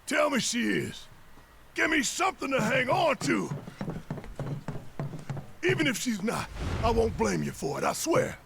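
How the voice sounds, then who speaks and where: An actor playing a gruff, fiery but big-hearted rebel leader and worried father in a video game. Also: very high-pitched, big pitch swings, a little slow, long pauses, heavily acted. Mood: anguished, pleading. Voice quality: gruff, gravelly. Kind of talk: dramatic video game voice acting. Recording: game audio with clear background noise.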